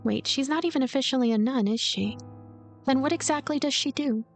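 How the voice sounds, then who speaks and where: A woman plays a lonely, scheming girl narrating a story game in the first person. The voice sits on the high side, wry and blunt, over background music. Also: a little fast. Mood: wry, puzzled. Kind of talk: first-person visual novel narration read aloud.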